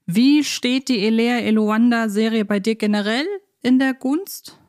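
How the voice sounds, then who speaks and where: A woman's voice: a little high, moderate pace, darkish tone. A woman co-hosting a podcast, chatting casually and enthusiastically. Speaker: podcast co-host.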